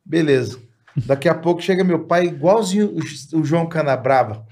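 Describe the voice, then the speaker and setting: A man's voice: on the high side, a little fast. A Brazilian-accented man, a singer, telling funny stories in a casual chat, laughing and acting out the people in them. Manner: animated, laughing, acts out the people in his stories. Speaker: singer and guest.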